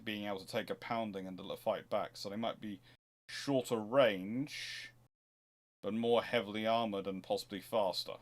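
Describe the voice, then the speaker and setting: A man hosting an informal expert question-and-answer talk, discursive and often breaking off to rephrase his sentences as he thinks aloud. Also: on the low side. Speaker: host answering viewers' history questions.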